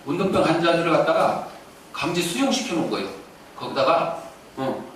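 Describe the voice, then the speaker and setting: A pastor preaching a sermon and telling a story with animation, recorded in a church sanctuary. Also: male voice, fairly high pitch, lively intonation, brisk, fairly bright tone. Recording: echoey church, distant mic, faint hiss.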